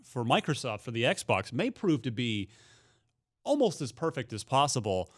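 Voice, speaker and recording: A man hosting a casual gaming discussion, haltingly thinking aloud and repeating words as he goes. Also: mid-range voice, big pitch swings. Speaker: gaming show host.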